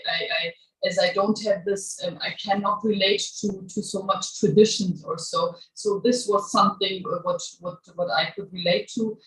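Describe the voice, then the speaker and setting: A woman with a German accent introducing herself at a public reading, halting, restarting often and laughing as she talks. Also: lowish voice, a bit bright. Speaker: guest writer giving a reading. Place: small venue before a live audience. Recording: echoey room, voice from far off.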